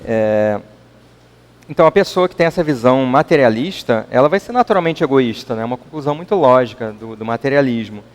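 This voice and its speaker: A man with a Brazilian accent gives an informal talk to a gathering at a spiritist center. His voice is middle-pitched and carries a long reverb from the meeting hall. He speaks conversationally and often checks in with a questioning tag. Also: expressive, fairly quick. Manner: conversational, keeps adding questioning tags.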